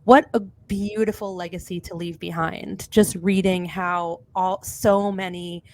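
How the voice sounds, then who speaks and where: A woman's voice: fairly low pitch, fairly even intonation, a little slow. A woman hosting a podcast in casual chat, blunt and sweary, sounding sniffly with a cold. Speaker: podcast host.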